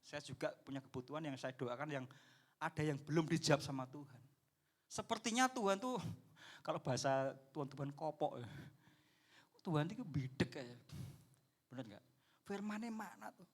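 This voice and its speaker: A male pastor with a high-pitched voice, preaching a sermon to his congregation. He speaks with a lilt. He talks in an animated way and acts out the people in his story. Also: moderate pace, long pauses. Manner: addresses the congregation as "saudara".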